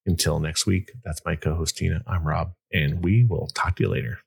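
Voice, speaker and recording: A man's voice: low-pitched, steady tone, brisk, vocal fry, darkish tone, breathy edge. A man hosting a podcast in casual chat, rambling with many restarts and fillers. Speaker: podcast host.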